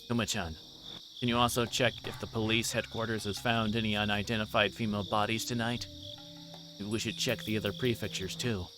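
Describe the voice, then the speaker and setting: Low-voiced dogged older detective acted by a man. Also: level tone, fairly quick, background noise, lightly acted. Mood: probing. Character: dogged older male police detective nearing retirement.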